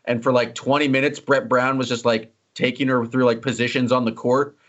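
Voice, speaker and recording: A man hosting a casual sports podcast, teasing his co-host and joking as he moves quickly through topics. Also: mid-range voice, little pitch movement. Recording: slightly dull lo-fi audio.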